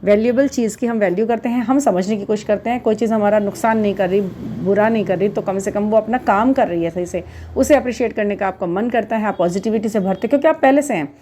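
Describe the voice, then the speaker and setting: Gentle, reassuring woman on a spiritual channel. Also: medium pitch, fast talker, slight background noise. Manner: gentle, reassuring, repeats words for emphasis; mixes English terms into Hindi speech. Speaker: spiritual guidance channel host. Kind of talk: casual talk to viewers.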